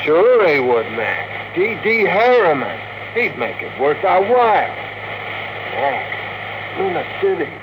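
An actor playing a brash, mocking rocket-crew sidekick with slangy, needling delivery in 1950s radio drama style. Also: male voice, a little high, big pitch swings, takes it slowly, highs cut off. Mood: coaxing. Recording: noisy old radio broadcast recording.

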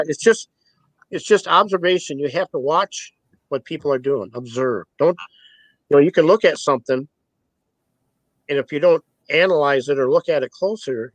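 A man's voice: on the high side, no echo, poor audio. A man in his sixties being interviewed, talking in a rambling, folksy way and chuckling between points. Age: 60s. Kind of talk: casual spoken interview.

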